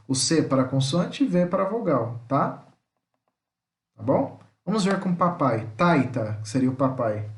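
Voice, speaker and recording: This online language teacher's voice sits a little high, and the recording sounds roomy. He explains things patiently, checks understanding after each point, and sometimes slows down to sound out words.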